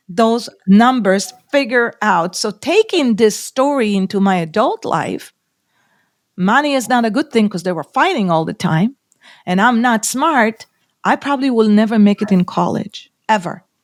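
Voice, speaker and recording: A woman with a non-native accent, fairly high pitch and lively intonation, at a moderate pace, with a dry, close sound and no echo. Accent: foreign. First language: Hebrew. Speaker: salon owner and business consultant. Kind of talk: interview.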